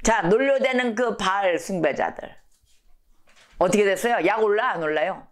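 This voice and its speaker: A woman's voice: medium pitch, moderate pace. A woman pastor giving a Sunday sermon, telling the story vividly and putting questions to the congregation.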